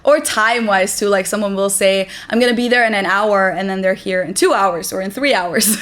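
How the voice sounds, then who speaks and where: A young woman from Germany talks through her experiences in casual English with a German accent. Her voice sits at an ordinary middle pitch. She keeps a relaxed, rambling flow, peppered with "like" and small laughs. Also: fairly quick. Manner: relaxed, chatty, lots of "like" fillers and light laughs. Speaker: interview guest. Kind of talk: casual chat.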